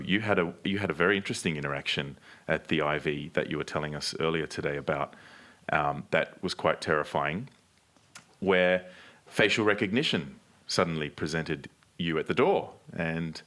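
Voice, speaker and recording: A man's voice: sits low, sharp tone. A man co-hosting a live podcast on stage, speaking like a polished presenter who asks the audience questions. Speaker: podcast co-host. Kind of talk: live podcast panel talk.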